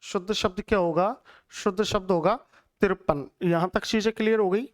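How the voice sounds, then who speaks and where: A man's voice: high-pitched, normal speed. A male Hindi teacher with a Rajasthani accent lectures students, repeating each word and quizzing them on the correct form. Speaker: Hindi exam-prep teacher. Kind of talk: classroom lecture.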